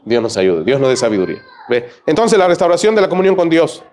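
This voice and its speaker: A Peruvian man preaches from the pulpit of a church, speaking in a somewhat high voice. He talks to the congregation in a chatty way, checking in with little asides between his points. The pastor keeps it plain and direct. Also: sing-song, quick pace, a little mellow. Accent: Peruvian Spanish. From Peru. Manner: conversational preaching, frequent "¿ve?" and "¿no?" asides. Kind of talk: sermon. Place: church sanctuary.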